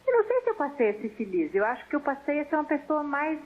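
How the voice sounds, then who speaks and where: A woman's voice: high voice, big pitch swings, quick pace. A woman from Portugal with a Portuguese accent, calling in to a TV talk show and talking frankly and reflectively about herself. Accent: Portuguese (European). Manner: reflective, frank, self-mocking. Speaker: phone-in guest. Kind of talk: candid call-in conversation. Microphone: telephone. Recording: tinny phone line.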